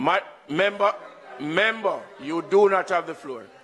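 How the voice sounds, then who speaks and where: A man with a high pitch talks at a very slow pace, his intonation lively, over noticeable background noise. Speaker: speaker of the house. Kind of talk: chairing parliamentary proceedings. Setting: parliament chamber.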